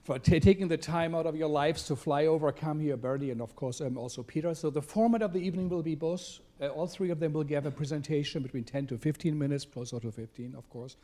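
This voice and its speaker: A man hosting and introducing an evening talk event, speaking in a halting way with many fillers. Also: on the high side, dark tone. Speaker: event host. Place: theater event space.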